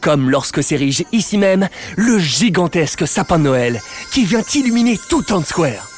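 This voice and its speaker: Playful high-voiced man guiding a tour. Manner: playful, jokey asides to listeners. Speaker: podcast host and park guide. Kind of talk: scripted audio tour podcast. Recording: music bed behind voice.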